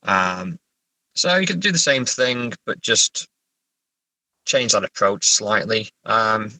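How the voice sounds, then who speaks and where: Bright-voiced man, haltingly spoken. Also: fairly low pitch, dry recording, low-quality recording. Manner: hesitant, stammering, self-deprecating. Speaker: guest writer discussing own story. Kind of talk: casual interview chat.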